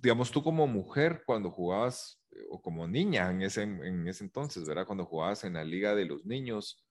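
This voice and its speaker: A man's voice: low-pitched, expressive, normal speed. A man interviewing a footballer, asking long, rambling questions full of fillers. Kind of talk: conversational interview.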